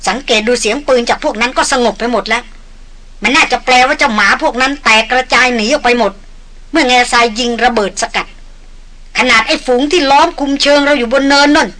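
A woman reading a calm, polite veteran hunter. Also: extremely high pitch, brisk. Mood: reassuring. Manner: polite, reassuring. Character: great jungle hunter, calm seasoned man.

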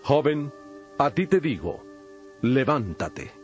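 A man playing Jesus as a solemn, measured teacher preaching in a dramatized audio Bible. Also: medium pitch, very animated, faint music behind. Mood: solemn, commanding.

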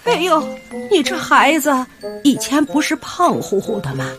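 A doting, chatty old grandmother from Beijing in a radio play. Her voice is a little high and very lively, fussing in a Beijing accent, and music plays clearly behind her. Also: unhurried, heavily acted. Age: older. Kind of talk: radio drama acting.

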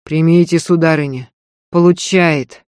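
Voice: medium pitch, fairly even intonation, measured pace, a little mellow, clear, resonant tone, dry recording, clean studio sound, close to an everyday voice. A narrator voicing a bossy old peasant servant woman who scolds and grumbles in a folksy, raised voice. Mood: scolding.

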